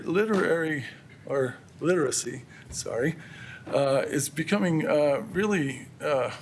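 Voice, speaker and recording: A man's voice: fairly high pitch, slight background noise. An American man giving an extemporaneous public comment at a council meeting. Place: council chamber.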